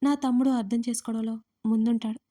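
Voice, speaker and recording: Teasing young sister-in-law on the phone, a woman reading her, mellow and flat, kinda high. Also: quick pace, lightly acted. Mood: earnest. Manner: teasing, mock-dramatic.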